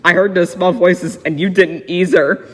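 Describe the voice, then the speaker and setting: A man's voice: high-pitched, fairly even intonation, normal speed, fairly bright tone. A man doing a dramatic, giggly read-aloud of a rhyming children's picture book. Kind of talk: dramatic storybook reading with frequent giggling. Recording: echoey reverberant room sound.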